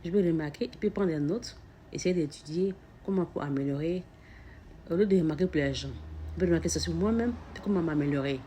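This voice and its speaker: Woman with a fairly low voice, stammers a lot, repeats herself, earnest casual self-help chat, faint hum behind. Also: brisk, warm tone. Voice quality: stutters, repeats words and restarts phrases. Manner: earnest, reflective, addresses the listener directly. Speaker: mother sharing personal reflections.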